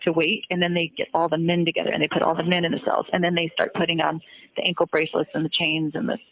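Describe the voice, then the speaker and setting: A woman's voice: lowish voice, level tone, fast talker, gravelly, a bit bright, slight background noise. A woman recounting events matter-of-factly and step by step in casual conversation on a recorded jail phone call.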